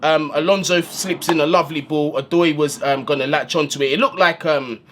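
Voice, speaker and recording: A man's voice: on the high side, fairly even intonation, brisk, a bit bright, a little hiss or hum. A man giving a casual, slang-filled post-match breakdown as a football fan channel host, recorded indoors in a room. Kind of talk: post-match analysis monologue.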